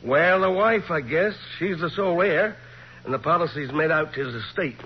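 Folksy high-voiced sheriff. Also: male voice, animated, breathy edge. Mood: matter-of-fact. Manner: folksy, drawn-out, colloquial. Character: genial small-town Texas sheriff, folksy man. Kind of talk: 1940s radio crime drama acting. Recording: muffled, hissy 1940s radio recording.

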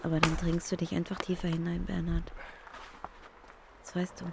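A woman's voice: on the low side, completely flat delivery, normal speed, creaky. A woman speaking an intimate first-person literary narration, addressing an absent person directly, outdoors on a city street. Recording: loud street and traffic noise.

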